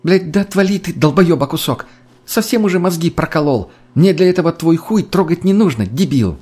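A man's voice: on the high side, lively intonation, normal speed, a little mellow, husky, voice pushed up. Man putting on a snappy young woman. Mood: annoyed. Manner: snapping, swearing. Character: irritable sharp-tongued young woman.

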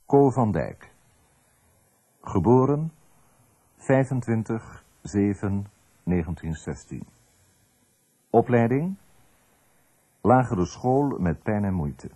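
A man presenting on radio, reading scripted narration in clipped, measured phrases like a list, with pauses. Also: lowish voice, expressive, warm tone.

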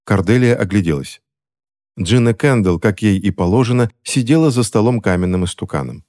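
A male narrator reading a fantasy novel aloud with a steady, dramatic delivery. His voice sits on the low side for a man. The reading is measured and even. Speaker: audiobook narrator. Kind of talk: scripted audiobook narration.

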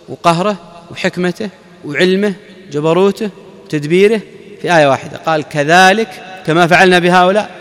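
Male scholar, high voice, Quran exegesis lesson, explains step by step, long hall reverb. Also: a bit bright. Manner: explanatory, asks the audience questions then answers. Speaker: Islamic scholar.

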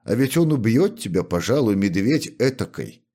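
A man voicing a stern, bossy older butler in an audiobook, speaking in a gruff, commanding way. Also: fairly low pitch, big pitch swings, moderate pace, mellow, pitched above the performer's own voice, heavily acted. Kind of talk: audiobook character reading.

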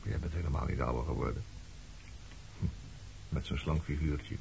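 A man's voice: very deep voice, moderate pace, darkish tone, heavily acted. An actor playing a blunt, nonchalant sailor in his late thirties in a Dutch radio play. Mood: nonchalant, appraising. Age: late 30s. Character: weathered roaming sailor nearing forty, blunt, nosy, nonchalant old flame. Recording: dull lo-fi radio recording, clear noise.

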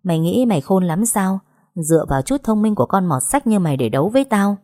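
A woman's voice: mid-range voice, expressive, quick pace, mellow, no echo, studio quality, natural voice. A woman voicing a cruel, scheming female villain who sneers and hisses threats. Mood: sneering.

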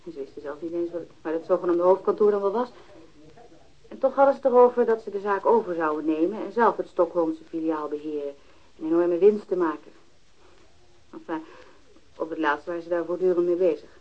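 A dull, lo-fi radio drama recording of an actress as a frank woman witness. Her voice is on the low side and husky. She recounts things matter-of-factly, with small digressions and hesitations. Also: a little fast, lightly acted. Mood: matter-of-fact, recounting. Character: frank, matter-of-fact woman, drug user, testifying to police. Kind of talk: Dutch radio drama dialogue.

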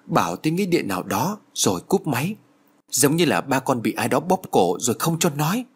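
A man's voice: medium pitch, big pitch swings, fairly quick, husky. Man voicing a fearful grieving older mother. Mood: shaken.

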